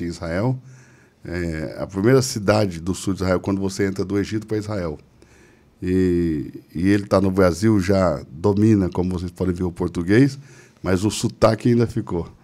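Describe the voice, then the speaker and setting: Low mellow host thinking aloud. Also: male voice. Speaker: podcast host. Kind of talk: casual chat.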